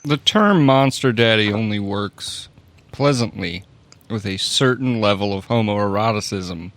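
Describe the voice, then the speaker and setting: A man's voice: lowish voice, a little slow, a bit bright. A man in his thirties bantering casually as a podcast player in a joking, self-deprecating way. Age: 30s.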